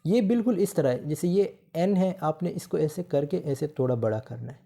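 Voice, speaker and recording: A man teaching English phonetics, mixing Hindi-Urdu talk with slowly read English definitions as he writes on a board. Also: on the high side, creaky, mellow. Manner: writes on a board while explaining. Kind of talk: lecture explaining phonetics.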